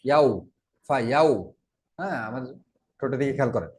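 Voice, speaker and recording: A man's voice: medium pitch, darkish tone, slight background noise. A man teaching Quran recitation to learners, reciting verses and patiently spelling out letters and vowel sounds one by one. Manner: patient, repeats letters and syllables slowly for learners. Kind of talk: tajweed lesson, reciting and explaining pronunciation.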